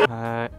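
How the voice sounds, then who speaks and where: A man chatting in a puzzled, joking way as an interviewee. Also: extremely high pitch. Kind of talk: casual vox-pop answers.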